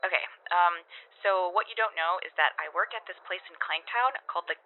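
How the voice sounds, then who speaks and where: An actress playing a chatty, self-congratulating shop worker in a radio drama, rambling perkily through an amateur ad. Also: female voice, fairly low pitch, brisk, narrow, tinny audio, lightly acted. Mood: casual, eager. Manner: perky, rambling, conversational.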